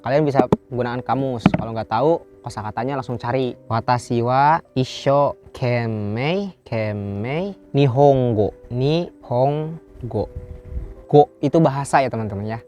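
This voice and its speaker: A man from Indonesia gives a casual language lesson. He walks through each phrase step by step and slows down to drill the words. Soft music plays faintly behind him, and his pitch sits in the middle range. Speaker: Japanese language teacher, channel host.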